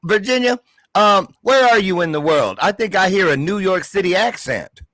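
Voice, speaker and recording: A man's voice: high-pitched, sing-song, normal speed, fairly bright tone, no echo. A man hosting a casual livestream interview show in an exuberant, playful, slangy way. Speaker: show host.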